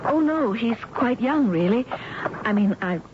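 A guarded, anxious young woman speaks in a formal, reserved way. It is period radio drama from the 1970s, dull in sound with clear background noise. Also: a little high, expressive, unhurried. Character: anxious, reserved young woman, turn-of-the-century music student. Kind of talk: 1970s radio drama acting, first-person narration and dialogue. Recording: dull, noisy old radio recording.

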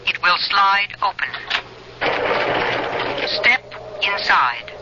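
A woman's voice: mid-range voice, expressive, extremely slow, very noisy. An actress playing a cold, terse female alien controller in a radio drama, giving imperious clipped commands. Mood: commanding. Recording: muffled vintage radio broadcast with music.

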